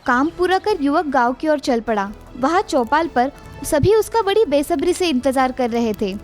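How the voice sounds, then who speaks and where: A woman narrating a village ghost story in an even, dramatic scripted reading. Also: high voice, moderate pace, faint music behind.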